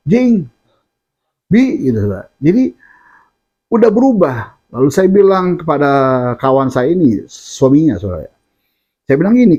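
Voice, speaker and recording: A man's voice: fairly high pitch, a little mellow, highs cut off. A man preaching a sermon, often addressing his listeners directly between filler sounds and restarts.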